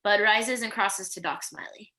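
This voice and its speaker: A woman's voice: mid-range voice, moderate pace, bright, forceful tone. A woman narrating the stage directions of a screenplay at a table read.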